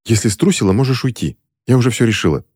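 A man's voice: medium pitch, animated, quick pace, darkish tone, breathy edge, voice pushed up. A man doing a bossy stubborn teen witch girl. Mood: bossy snappish. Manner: proud, snappish, insistent.

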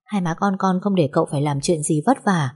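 A woman voicing a gentle young wife, speaking softly and politely. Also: on the low side, brisk, slightly rough. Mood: pleading. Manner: soft, polite, pleading.

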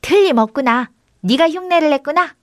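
A woman's voice: sits high, expressive, normal speed, dry recording, studio quality, voice pushed up. A woman voicing a small white talking goat that repeats everything it hears in a raised, childlike voice. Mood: mimicking.

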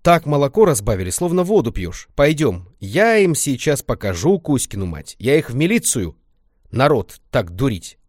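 A man voicing a gruff but loving old village grandmother who shouts and scolds in folksy speech. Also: mid-range voice, sing-song, normal speed, no echo, studio quality, lightly acted. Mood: scolding.

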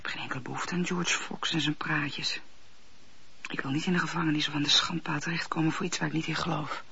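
A woman playing a sullen, sceptical seventeen-year-old maidservant in a Dutch radio play, speaking in a hushed, confiding, husky voice. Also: low-pitched, a little hiss or hum. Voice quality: breathy, husky. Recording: dull, muffled old radio-play recording.

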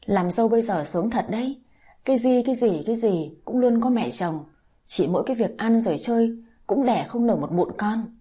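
Bà Tâm, a woman playing a shrill scolding mother-in-law. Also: animated, fairly quick, warm tone, breathy edge. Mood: scornful. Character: bitter older village mother-in-law, scolding.

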